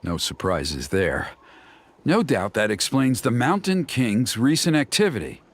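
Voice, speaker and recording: Tribal guide for a game: mid-range, animated intonation, dutiful, explanatory, reassuring. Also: male voice, mid-range voice, unhurried, a little hiss or hum. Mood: concerned. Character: male tribal guide, patient, dutiful, respectful of ancestral rites. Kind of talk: video game voice acting.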